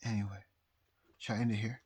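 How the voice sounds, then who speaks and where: A very drunk man rambling casually to viewers, halting and repeating himself as he loses his thread. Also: lowish voice, little pitch movement, a little mellow, breathy edge. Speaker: amateur astrologer vlogger.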